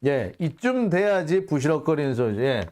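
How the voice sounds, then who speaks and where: A man's voice: a little high, big pitch swings, normal speed, a little mellow, slight background noise. A male host giving casual commentary on a news report, sarcastic and indignant, firing off mocking rhetorical questions.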